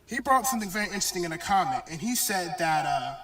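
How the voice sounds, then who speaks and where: Halting man teaching a bible lesson, echoey. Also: high-pitched, very animated, fairly bright tone, a little hiss or hum. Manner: halting, many pauses and fillers. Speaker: religious teacher. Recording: echoey, distant video playback.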